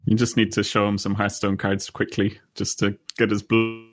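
A man's voice: fairly low pitch, completely flat delivery, normal speed. A man co-hosting a casual podcast, dropping wry teasing asides. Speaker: podcast co-host.

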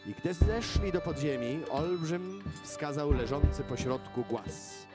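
A man narrating a fairy tale theatrically and deliberately, with strong swings between hushed and loud delivery. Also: a little high, lively intonation. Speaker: storyteller in a performed concert radio play. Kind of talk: dramatic fairy-tale narration, live storytelling. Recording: live concert with loud music. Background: loud live instrumental music.

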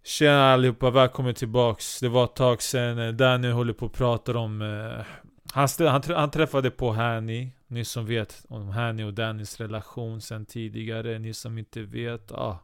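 A man hosting a comedy podcast, rambling and halting with many restarts. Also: mid-range voice, level tone, clear, resonant tone. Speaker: host.

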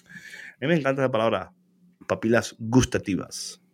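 A man's voice: medium pitch, normal speed. Playful, laughing man reading aloud. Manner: playful, laughs often, mixes English into Spanish; jokes about words he reads. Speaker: co-host. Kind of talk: casual chat, reading aloud.

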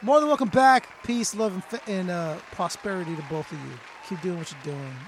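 A man's voice: high voice, brisk, crowd noise, noisy background. A man hosting a casual podcast, jokey and hyped. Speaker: podcast host.

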